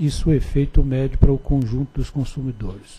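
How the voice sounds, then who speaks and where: A man with a Brazilian accent speaks at a moderate pace in a fairly high pitch. His tone is dark and mellow, somewhat breathy, with fairly even intonation. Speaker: regulatory agency director. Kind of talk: formal report reading.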